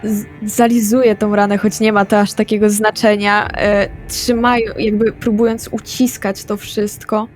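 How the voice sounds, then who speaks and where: A woman's voice: mid-range voice, level tone, moderate pace. Woman playing an RPG over music. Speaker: tabletop RPG player. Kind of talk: in-game player talk, stating actions. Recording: background music under the voice.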